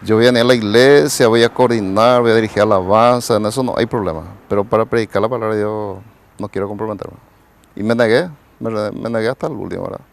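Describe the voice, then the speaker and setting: Gravelly-voiced pastor telling his story. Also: lowish voice, fast talker. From Paraguay. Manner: rambling storyteller, tags nearly every phrase with a questioning "right?". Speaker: pastor and evangelist, interview guest. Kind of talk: personal testimony in a TV interview.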